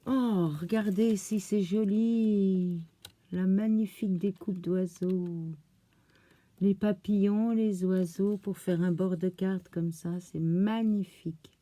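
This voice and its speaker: Craft lady unboxing her mail, lots of oohs, slow talker, kinda mellow voice. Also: mid-range voice, fairly even intonation, no room sound. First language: French. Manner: gushing, many oohs and exclamations; slow, thinking aloud as she unpacks. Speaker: craft channel host.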